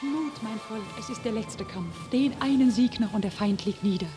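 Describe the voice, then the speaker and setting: An actress playing a pious, fervent young captive warrior maiden in a classic radio play, declaiming solemnly. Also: female voice, on the high side, moderate pace, big-room sound, over music, lightly acted. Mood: fervent, anguished.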